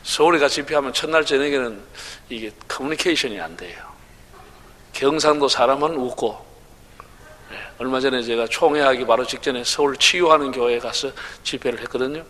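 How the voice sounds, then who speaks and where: Bright-voiced Gyeongsang pastor in a church hall. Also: male voice, mid-range voice, fairly quick. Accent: Gyeongsang Korean. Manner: humorous, chatty preaching with laughs to the crowd. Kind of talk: sermon at a revival meeting. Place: large church sanctuary.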